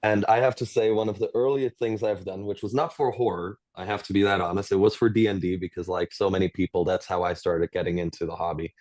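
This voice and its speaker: A man's voice: low voice, steady tone, fast, hardly any pauses, a little mellow, no room sound, poor audio. A man from Switzerland speaking as a panelist at a game convention, chatty and anecdotal.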